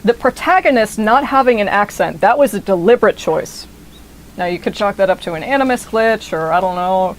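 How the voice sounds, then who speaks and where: A young American woman streamer thinking out loud while she plays. She rambles and digresses, swearing freely. Her pitch sits at an ordinary middle level, with faint noise in the background. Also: expressive, a little fast, poor audio. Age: 20s. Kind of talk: casual gameplay commentary.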